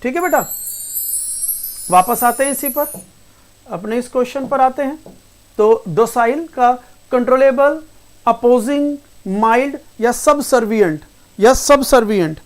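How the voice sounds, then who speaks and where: A man runs a live online class on English words, and his voice sits high. He repeats each point several times, asks the students questions and answers them himself. He speaks to his students affectionately as "beta". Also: a little slow, pauses often. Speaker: English teacher.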